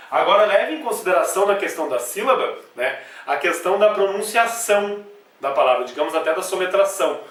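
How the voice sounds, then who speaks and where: A Brazilian man teaches a grammar lesson to camera. He breaks each point into small steps and sounds syllables out slowly, with a bright, somewhat high voice. The camcorder sits some way off, so his voice rings through a very reverberant room. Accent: Brazilian Portuguese. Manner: explains step by step with frequent checks like "né?" and "tá?". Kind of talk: video lesson at a whiteboard. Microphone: camcorder mic away from the speaker. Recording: echoey room, voice from a distance.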